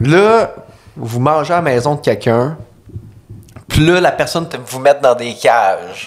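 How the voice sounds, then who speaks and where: In a Quebec accent, a man talks very slowly at a fairly high pitch, with long, frequent pauses and lively intonation. His loudness swings widely, and there is noticeable background noise. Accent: Québécois French. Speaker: comedy podcast host. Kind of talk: comedic improv interview.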